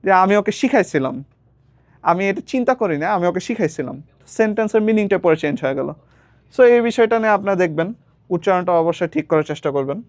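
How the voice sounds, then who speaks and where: This young tutor speaks in a high, animated voice at a slightly fast clip, with no room sound. He's teaching a casual speaking lesson, mixing English phrases into his talk and repeating words while he explains.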